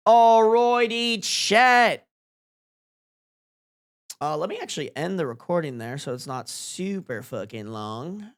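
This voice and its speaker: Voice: mid-range voice, smooth. A streamer in their twenties chatting casually to a live audience, with slangy, emphatic talk and frequent swearing. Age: 20s. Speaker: livestream host. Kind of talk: casual reaction stream chat.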